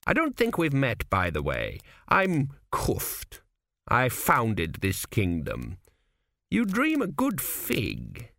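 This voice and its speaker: A man voicing a cynical, crude old ancestor ghost, a former swindler, with a slow, gruff drawl in an audiobook. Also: medium pitch, huge pitch swings, a bit bright, dry recording, studio quality, heavily acted. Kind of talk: audiobook character voice.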